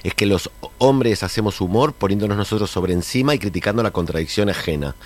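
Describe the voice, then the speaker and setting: A man with a faded Argentine accent, a cartoonist, joking and reflecting on a panel. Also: on the low side. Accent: faded Argentine Spanish. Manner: quick, playful, reflective. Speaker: guest cartoonist. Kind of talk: panel conversation.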